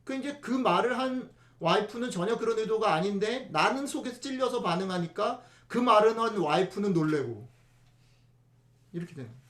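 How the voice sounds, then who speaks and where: A man's voice: sits high, expressive, a little fast, fairly bright tone. Man, pastor, conversational sermon, rhetorical questions, roomy echo. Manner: chatty, asks the congregation rhetorical questions.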